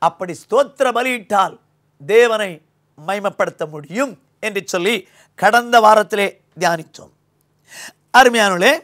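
Speaking into a lapel microphone in a small indoor studio, an older Tamil-accented pastor delivers a sermon. His voice alternates between forceful, loud emphasis and quiet, low passages.

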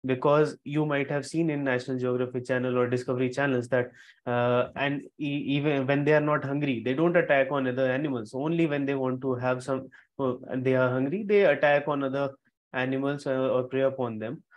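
A man's voice: medium pitch, steady tone, brisk, dull audio. A young man giving an impromptu club speech over a video call, hesitant and full of fillers. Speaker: club member answering a table topic. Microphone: headset on a video call.

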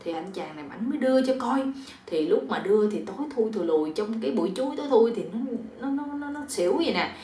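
A woman's voice: fairly high pitch, expressive, fast, warm tone, recorded from a distance. A woman with a Southern Vietnamese accent telling a folk tale casually, chatty, with asides to the listener. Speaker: storyteller. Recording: roomy echo.

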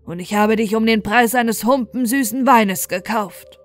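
A woman's voice: fairly high pitch, measured pace, faint music behind, lightly acted. A woman voicing a menacing old male sorcerer in a fairy tale, commanding and threatening with heavy emphasis. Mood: stern, threatening.

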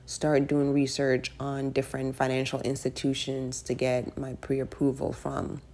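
Low, gravelly woman in her thirties. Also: completely flat delivery, unhurried, a little mellow, slight background noise. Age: 30s. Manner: chatty, candid, with fillers like "like" and "right". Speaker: personal finance vlogger. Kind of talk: casual voice-over over screen recording.

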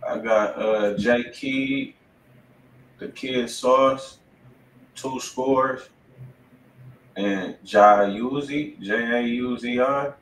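A man's voice: mid-range voice, very slow, long pauses, a bit bright. A man co-hosting a live music review stream, talking in casual, slangy style. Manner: slangy, informal. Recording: roomy, distant mic, faint noise.

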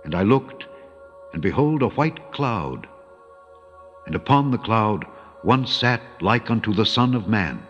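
A low-voiced man reads scripture slowly and solemnly, drawing out key phrases. His voice rings in a long reverb, with a dull, muffled sound and faint music underneath. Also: expressive. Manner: measured, solemn delivery, slowing for emphasis and rising when quoting angels. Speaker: Bible reader. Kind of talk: dramatic scripture reading.

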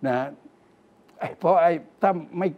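A man's voice: a little high, unhurried, dull audio. A man as political analyst in casual chat, explaining in a lecturing tone.

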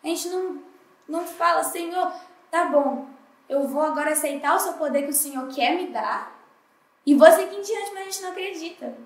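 A woman's voice: high voice, moderate pace, far from the mic. A woman with a Brazilian Portuguese accent giving a heartfelt morning devotional sermon at a church congress, voicing her own prayers as she speaks. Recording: roomy hall, voice a bit off the mic.

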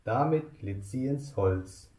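A male kindergarten teacher reading a picture book aloud to children, slow and deliberate. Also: medium pitch, lively intonation, a little mellow. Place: kindergarten room. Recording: roomy echo.

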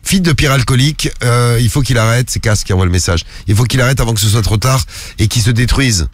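A man hosting a radio phone-in with lively casual banter and blunt, informal slang, close on a studio microphone. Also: mid-range voice, fast talker, slightly rough, no echo. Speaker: radio show host.

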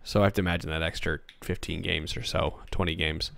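A man's voice: deep voice, fairly even intonation, quick pace, vocal fry, a bit bright, dry recording. A man hosting a casual gaming podcast, his voice worn from a cold, coughing now and then. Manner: reads listener questions aloud, coughs. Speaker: podcast host.

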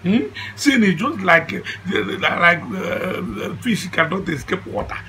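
A man's voice: sits high, lively intonation, takes it slowly, gravelly, sharp tone, slight background noise, full character voice. A man with a Nigerian Igbo accent playing a devout, easily indignant older father in a comedy film, theatrical and repetitive, mixing English and Igbo. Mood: pleading, fervent. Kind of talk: comedy film acting with loud pleading prayer.

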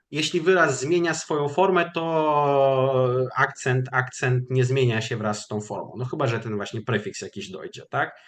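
A man giving a lecture, answering questions after a webinar in a measured, explanatory way with hesitant fillers over a video call. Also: fairly high pitch, a bit bright.

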